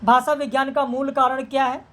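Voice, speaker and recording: A woman teacher running through exam practice questions, reading each one and checking the answers in a brisk, matter-of-fact way. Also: high voice, little pitch movement, fairly bright tone.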